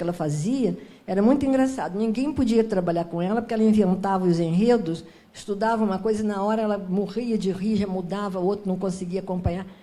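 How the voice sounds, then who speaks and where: A woman of medium pitch talks at a fairly quick pace, with audible room echo around her. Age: 80s+. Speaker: author. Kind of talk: book launch conversation. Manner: halting, many restarts.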